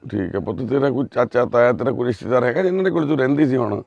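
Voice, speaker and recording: A man doing social service on a live video, gently soothing a frightened girl and repeating his reassurances. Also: medium pitch, lively intonation, racing, creaky, lo-fi sound. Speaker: social worker helping a lost girl.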